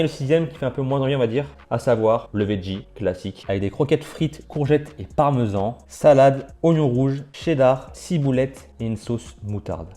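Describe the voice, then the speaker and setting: A man's voice: medium pitch, mellow. A man chatting casually as he tastes and reviews food for his vlog, sometimes talking with his mouth full. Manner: chatty, talks with mouth full while tasting. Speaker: food challenge vlogger.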